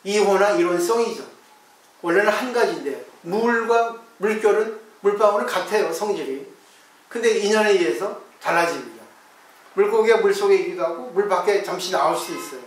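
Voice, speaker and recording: High-voiced monk in an echoey hall. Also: male voice, expressive, moderate pace, recorded from a distance. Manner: conversational, asks listeners rhetorical questions; acts out his own replies to disciples. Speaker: Buddhist monk teaching. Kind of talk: dharma talk on a Zen text. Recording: very echoey room, voice from off the mic.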